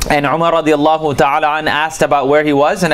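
Over light background noise, a man speaks at a very fast pace with fairly even intonation. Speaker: religious teacher. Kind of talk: lecture. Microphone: handheld.

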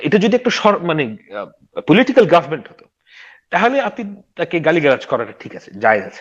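His pitch is high for a man, and this man's voice shows very wide pitch swings and big swings in loudness. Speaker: scientist and writer, activist. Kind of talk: casual political discussion.

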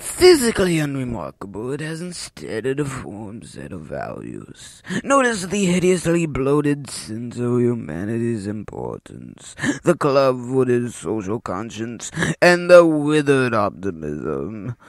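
A man puts on a character voice, pitched in the medium range. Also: moderate pace. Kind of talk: theatrical villain monologue. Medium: read story. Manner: theatrical, mocking, menacing.

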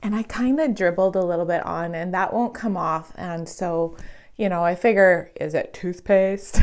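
Pitch varies in an ordinary way. The speed is moderate. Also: woman. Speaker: runner vlogger. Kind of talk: casual vlog chat. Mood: upbeat, playful. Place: home room. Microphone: phone near.

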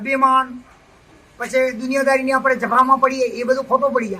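A man's extremely high-pitched, raised and projected voice over noticeable background noise. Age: 70s. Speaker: ascetic devotional singer. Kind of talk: interview with religious preaching.

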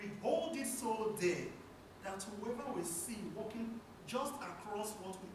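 With audible room echo and noticeable background noise, a man speaks at a fairly slow pace in a high pitch, using ordinary pitch variation. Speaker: club speaker. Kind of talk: storytelling speech. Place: meeting room. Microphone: camera far.

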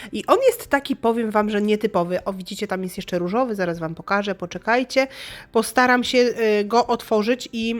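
A woman with a fairly high voice speaks at a fairly quick pace in an animated tone, her pitch varying in an ordinary way. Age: 30s. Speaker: YouTuber, shopping vlogger. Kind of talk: store haul review vlog. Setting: in a store.

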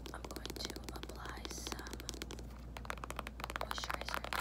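Whispering at a very slow pace. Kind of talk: soft-spoken personal attention roleplay. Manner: soft, close ASMR-style voice. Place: home room. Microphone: phone near.

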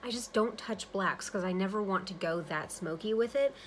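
Noticeable background noise runs under a woman whose pitch varies in an ordinary way. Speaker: beauty vlogger. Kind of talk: casual vlog chat and makeup tutorial. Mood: cheerful, chatty. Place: home room. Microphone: phone near.

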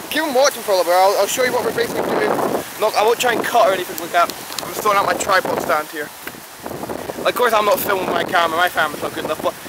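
Amid loud background noise, a man talks very fast in a dry sound with no echo. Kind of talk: casual vlog chat. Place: forest. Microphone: phone near.

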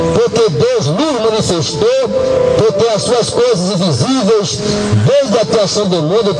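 Loud background noise fills the recording. A man speaks at a fairly slow pace. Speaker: street preacher. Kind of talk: sermon. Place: street. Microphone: handheld.

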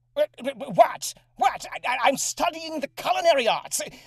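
Moving at a fairly slow pace, the voice is cartoonish, like a character's. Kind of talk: comic overacting. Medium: puppet show. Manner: defensive, enthusiastic.

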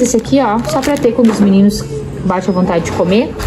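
Clear music plays in the background. Over it, a woman talks with ordinary pitch variation. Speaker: family vlogger. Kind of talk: casual vlog chat. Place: kitchen. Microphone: phone near.

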